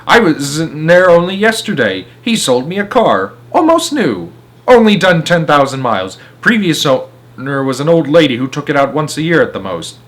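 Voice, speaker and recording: A man voicing a loud, domineering middle-aged headmistress who barks and scoffs in a children's storybook reading. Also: fairly high pitch, big pitch swings, normal speed. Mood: blustering. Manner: barking, shouting, scornful. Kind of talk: children's storybook read-aloud.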